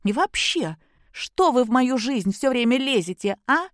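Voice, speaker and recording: A woman's voice: fairly high pitch, expressive, a little slow, dry recording, clean studio sound, voice pushed up. A woman voicing a drunk, spiteful young mother who talks in a slurred, mocking, whiny way. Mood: bitter scornful.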